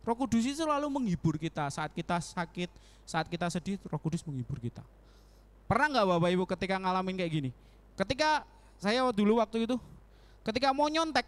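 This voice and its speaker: A young man preaching a casual sermon in a church, animated, acting out prayers in quoted voices and laughing often. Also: high voice, quick pace. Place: church hall.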